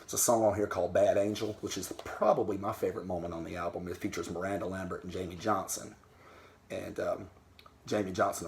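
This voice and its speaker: A man's voice: low-pitched, vocal fry, slight background noise. A man talking to camera about his records in a candid, rambling way, swearing freely. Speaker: vinyl record vlogger. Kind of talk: casual talk to camera. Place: home den.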